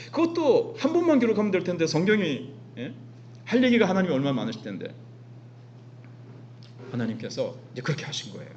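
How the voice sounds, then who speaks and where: A man's voice: a little high, darkish tone. A man with a Gyeongsang dialect preaching a Sunday sermon as pastor, asking the congregation questions and answering them himself. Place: church sanctuary. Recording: dull recording with faint hum.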